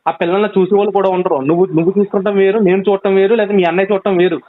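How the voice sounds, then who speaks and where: A man's voice: high-pitched, level tone, racing. A man on a phone call, urgently pleading and reasoning with a friend, with many restarts. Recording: tinny phone line recording.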